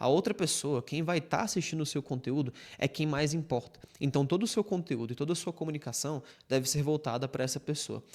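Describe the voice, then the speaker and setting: A man with a plain, everyday voice, fairly high in pitch, talks at a fairly quick pace with ordinary pitch variation on a very clean recording with a silent background. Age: 20s. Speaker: digital marketing coach. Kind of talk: tutorial. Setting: screen-share recording.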